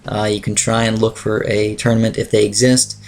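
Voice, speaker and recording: A teenage gaming YouTuber chats casually over his gameplay in a raspy, dry voice, rambling with lots of fillers and clearing his throat. His pitch is fairly low, his tone level, and he talks a little fast.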